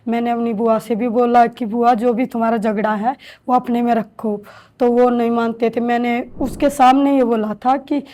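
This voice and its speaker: A woman in her thirties slowly recounting her own story with halting restarts, as an interviewee in a shelter home. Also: fairly high pitch, level tone, dark tone, slight background noise. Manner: halting, slow, hesitant with restarts. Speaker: interviewee, domestic violence survivor. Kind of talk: emotional personal testimony.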